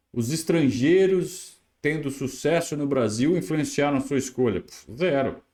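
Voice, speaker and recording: A man with an ordinary speaking voice, a fairly high pitch, and a fairly slow pace. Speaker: football YouTuber reacting to press conference. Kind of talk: reaction commentary.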